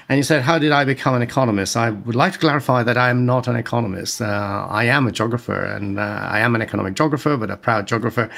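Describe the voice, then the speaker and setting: A middle-aged man from Spain with a Spanish accent, answering interview questions in a measured, deliberate way. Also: on the low side, vocal fry, a bit bright. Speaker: guest, economic geographer.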